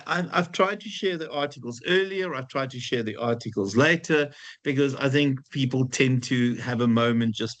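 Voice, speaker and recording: Man with a heavy Afrikaans South African accent. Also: mid-range voice. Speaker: university lecturer. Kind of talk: informal lecture to a class.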